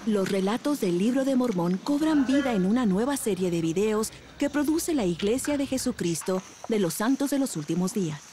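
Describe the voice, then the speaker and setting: A woman reading scripted news narration in a clear, factual way. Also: a little high, expressive, moderate pace, hardly any pauses, crowd noise.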